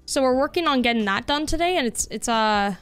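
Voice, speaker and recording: Young woman game streamer: upbeat, rambling casual chat, a touch high-pitched. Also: animated, fairly quick, clear, resonant tone, faint music behind. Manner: bubbly, chatty, many filler "like"s.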